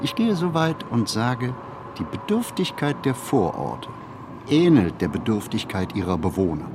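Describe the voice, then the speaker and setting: A man playing a pensive city wanderer in a radio play, narrating a literary monologue with deliberate, measured phrasing and pauses. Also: fairly low pitch, very animated, noisy background. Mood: reflective. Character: pensive male city wanderer musing on modern life. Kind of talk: scripted literary monologue, reflective first-person narration.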